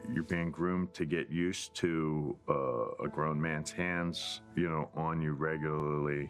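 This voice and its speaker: With music in the background, a man with an American accent and a very deep, low pitch speaks at a fairly slow pace with hardly any pauses, very even loudness, and fairly even intonation. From western Pennsylvania (Johnstown). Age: 40s. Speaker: abuse survivor. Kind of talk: testimony.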